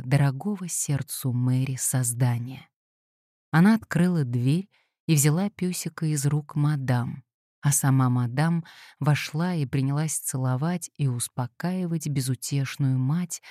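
A woman narrating a literary audiobook in a measured, even reading style. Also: deep voice, no echo, clean studio sound. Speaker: audiobook reader.

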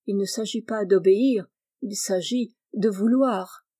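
A woman reading aloud and voicing a bluff, hearty male farmer who talks in gruff exclamations. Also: mid-range voice, unhurried, warm tone, natural voice.

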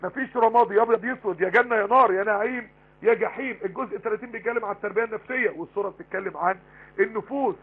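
Rapid Egyptian preacher, tinny online stream. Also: male voice, high-pitched, husky. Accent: Egyptian Arabic. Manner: rapid, emphatic, rhetorical questions. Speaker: Quran teacher. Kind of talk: live online Quran lesson. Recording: tinny phone-line broadcast.

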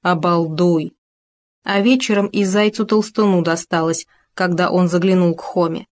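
A woman narrating a children's story in a lively, expressive reading voice. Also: lowish voice, normal speed.

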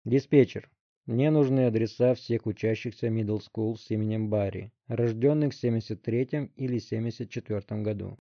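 A man's voice: on the low side, normal speed, dry recording, lightly acted. A man voicing a tough, cynical police chief who speaks curtly and bluntly in an audiobook story, on a dry, slightly dull recording. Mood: hard. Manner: curt, hard, blunt.

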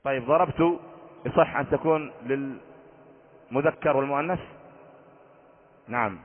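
A man's voice: on the high side, moderate pace. Man teaching grammar, tinny and echoing. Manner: quizzing students with questions, repeating each rule. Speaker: sheikh teaching Arabic grammar. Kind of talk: classroom grammar lesson. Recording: tinny phone-like audio in a long-reverb hall.

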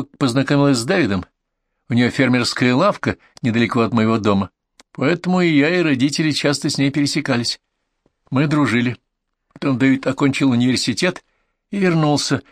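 A man voicing a warm, open young woman from a farm, lifting his voice for her. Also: a little fast, no room sound, close to an everyday voice. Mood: wistful. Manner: higher, lighter voice for a young woman.

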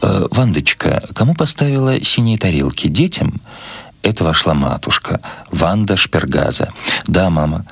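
A man reading literary prose as a scripted narration, in a measured, expressive storytelling manner. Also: sits low, gravelly, breathy edge, no echo. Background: music.

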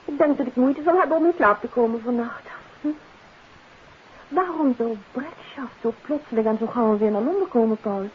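An actress playing a detective's curious, weary wife in a 1950s radio drama. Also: female voice, fairly high pitch, normal speed, close to an everyday voice. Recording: muffled 1950s radio recording, faint noise.

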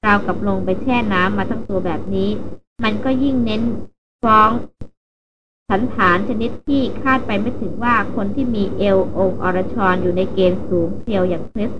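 A woman narrating an adventure novel as an audiobook reader, in a steady, even storytelling voice. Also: mid-range voice, moderate pace, highs cut off, noisy background.

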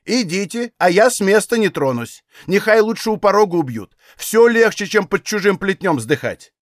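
An aggrieved old Cossack mother complains plaintively and will not budge, as a male narrator puts her on. Her voice rises high and swings in a lively way. The sound is close and dry. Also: moderate pace, dry recording. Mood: stubborn. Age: older. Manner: plaintive, stubborn.

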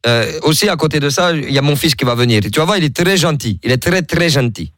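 A man's voice: expressive, fast talker, fairly bright tone, dry recording, clean studio sound. A man voicing a boastful husband with a put-on Senegalese French accent, pushing his case in a prank call. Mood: insistent. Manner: insistent, rambling prank-caller pitch.

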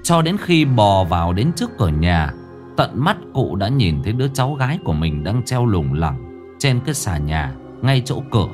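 A man tells a ghost story in a low, lively voice that dips and climbs with the drama. His delivery is expressive and measured. Faint music runs beneath.

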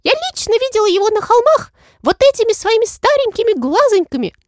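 Squeaky ancient moth, timid, very high, lively swoops, dry. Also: female voice, a little fast, dry recording. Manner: squeaky, piping. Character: tiny ancient female moth familiar, timid and chatty. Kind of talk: audiobook character voice.

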